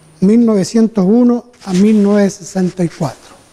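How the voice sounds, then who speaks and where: A man at a fairly slow pace, with ordinary pitch variation, over noticeable background noise. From Chile, Santiago. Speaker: church elder. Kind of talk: formal talk. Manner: formal.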